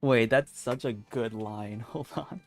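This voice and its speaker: A woman reacts casually as she streams a game. Her voice is very low, recorded dry and close, with faint music behind. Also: slow, dry recording. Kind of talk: casual livestream commentary.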